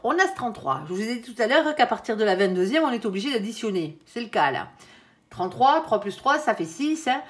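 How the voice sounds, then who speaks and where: A tired woman giving a casual tarot reading, chatty with many fillers and some stumbling. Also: a little high. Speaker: tarot reader.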